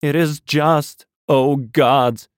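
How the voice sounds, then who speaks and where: Frenzied doom-preaching curate, raised pitch, loud declamation, wailing fervour, audiobook character, dry sound. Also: male voice, steady tone, extremely slow, clear, resonant tone, dry recording. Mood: anguished repentance. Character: half-mad, fervent male curate crying doom and repentance.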